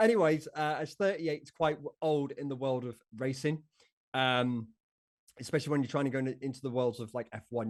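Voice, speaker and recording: A man with a British accent talks at a fairly quick pace, with medium pitch and fairly even intonation. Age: 30s. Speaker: soldier and sim racing enthusiast. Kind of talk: casual chat.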